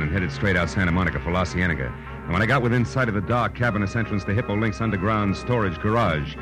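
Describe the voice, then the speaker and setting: An actor playing a tough, wisecracking private eye in a 1940s radio detective drama, brisk and commanding. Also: male voice, fairly low pitch, lightly acted, poor audio.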